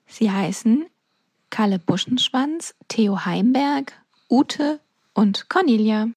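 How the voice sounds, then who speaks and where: Female listener, thirties, slightly high husky voice, unhurried recorded question delivery. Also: animated, a little mellow, dry recording. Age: 30s. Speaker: listener sending in a quiz question.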